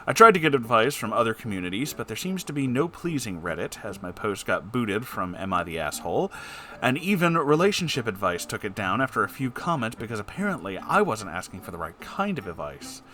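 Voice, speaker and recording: A man's voice: lowish voice, big pitch swings, brisk, bright, forceful tone, a little hiss or hum. A man hosting a letter-reading show, performing listeners' letters expressively and answering with wry, conversational advice. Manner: theatrical, wry asides.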